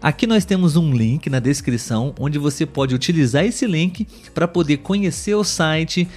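A Brazilian man hosting a podcast for Portuguese learners. He talks alone in a clear, patient way and keeps checking in with his listeners. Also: on the high side, normal speed, a little mellow. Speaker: podcast host and Portuguese tutor. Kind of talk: solo educational podcast monologue for learners.

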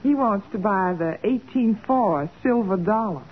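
An actress playing a coquettish, gushing young Southern belle with an American Southern accent in a 1940s radio drama. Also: female voice, mid-range voice, animated, a little slow. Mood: charming. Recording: muffled, narrow-band old radio recording.

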